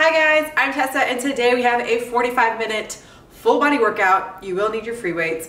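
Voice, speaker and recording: Moderate pace, with audible room echo. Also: woman. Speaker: fitness instructor. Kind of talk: workout tutorial. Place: empty room.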